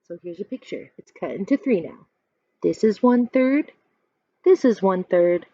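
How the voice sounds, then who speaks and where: A woman in her thirties reading a children's book aloud like a teacher, expressive and instructive, pausing to explain. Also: mid-range voice, no room sound. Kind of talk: read-aloud storytelling with explanations. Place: small furnished room indoors at home. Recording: dull lo-fi webcam sound.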